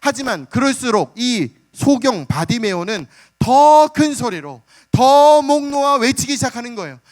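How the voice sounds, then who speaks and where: High-voiced Korean pastor preaching with drama. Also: male voice, very animated, a little slow, darkish tone. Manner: dramatic storytelling, acts out the beggar's cries; calls out "hallelujah" and addresses the congregation. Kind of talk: sermon.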